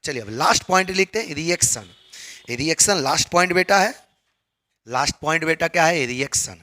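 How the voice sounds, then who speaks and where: A male commerce tutor lecturing students. He reads points slowly and explains them, often checking that his students follow. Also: a little high, lively intonation, sharp tone. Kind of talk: classroom lecture.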